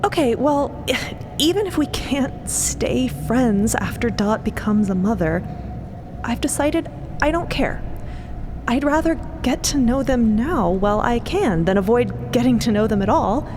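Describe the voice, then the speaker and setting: A woman plays a sweet, nervous young crew member in an audio drama. Her voice runs high and swings about as she rambles earnestly and hesitantly, with a loud rumble of ship ambience behind her. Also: a little slow. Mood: earnest, flustered. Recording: steady rumbling ambience under voice.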